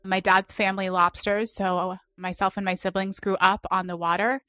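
Woman guest from Maine, bright tone, steady earnest delivery, dry recording. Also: mid-range voice, no room sound, faint music behind. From Maine, USA. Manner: measured, emphatic lists. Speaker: guest, co-founder of a voting rights group. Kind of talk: earnest interview answer.

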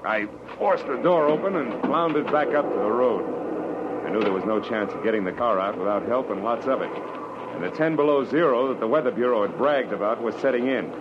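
An American actor playing a wry, world-weary private detective, narrating tersely and dramatically in 1940s radio drama style. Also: male voice, mid-range voice, animated, fairly quick, natural voice. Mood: tense narrating. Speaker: actor narrating as lead character. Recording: noisy, muffled old-time radio recording.

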